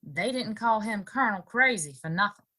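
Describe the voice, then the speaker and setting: A woman playing a wary, plain-spoken young saloon girl in an audio play, measured and skeptical. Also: medium pitch, animated, sharp tone. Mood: skeptical, worried.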